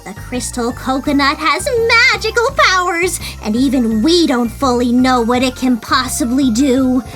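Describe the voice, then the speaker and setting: A woman's voice: high-pitched, lively intonation, unhurried, a bit bright, soft background music. A woman playing a peppy, helpful young female monkey tour guide in an audio drama. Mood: explaining. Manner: cheerful, explanatory. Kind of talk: audio drama character acting.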